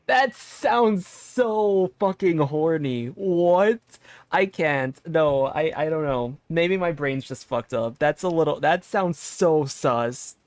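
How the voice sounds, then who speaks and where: A man's voice: on the high side, lively intonation, slow, no echo. A man streaming a game, commenting casually in a giggly, rambling, self-deprecating way into a headset.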